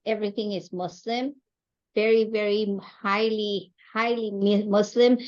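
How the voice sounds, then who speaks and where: Slightly muffled woman from Kenya, reflective storyteller. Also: mid-range voice. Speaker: podcast guest, entrepreneur and coach. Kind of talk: conversational interview storytelling.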